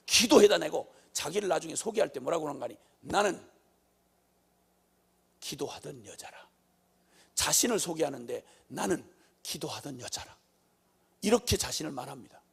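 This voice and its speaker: Raspy, animated male preacher. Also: on the high side, long reverb tail. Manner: impassioned, swings from quiet asides to shouting; acts out people's complaints in quoted voices. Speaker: missionary preacher. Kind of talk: sermon.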